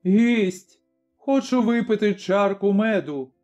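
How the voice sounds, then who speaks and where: A man's voice: high-pitched, lively intonation, takes it slowly, darkish tone. A man voicing a grim, fearless Cossack father who speaks firmly and commandingly in a storybook reading. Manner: firm, commanding. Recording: slightly dull recording, faint music.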